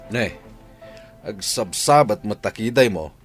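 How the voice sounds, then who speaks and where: A man's voice: fairly low pitch, lively intonation, takes it slowly, over music. A man voicing a father-in-law in an audio drama, reasoning and consoling. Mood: counselling. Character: older man, the father-in-law, advising calmly.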